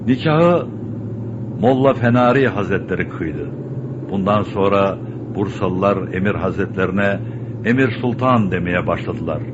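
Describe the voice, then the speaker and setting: A wise old storytelling father. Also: deep voice. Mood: calm. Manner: calm, measured telling. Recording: dull audio with engine noise.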